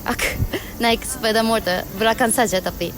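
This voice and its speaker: A Japanese woman speaking Indonesian as a foreigner with a Japanese accent, in simple, halting phrases in a casual interview. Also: fairly high pitch, steady tone.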